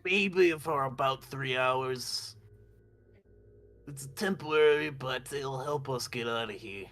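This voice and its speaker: A man's voice: medium pitch, slow pace, a bit bright. Man putting on a hesitant Russian-accented mage woman. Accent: put-on Russian.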